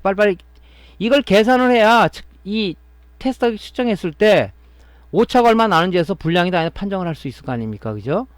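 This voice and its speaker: A man's voice: high-pitched, lively intonation, quick pace, no room sound. Man lecturing on circuit repair. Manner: explaining step by step, often adding a tag question to check understanding. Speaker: electronics repair instructor. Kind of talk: classroom-style technical lecture.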